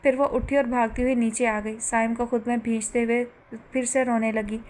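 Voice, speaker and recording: A woman's voice: fairly high pitch, little pitch movement, normal speed, darkish tone, a little hiss or hum. Woman narrating a romance novel. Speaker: audiobook narrator.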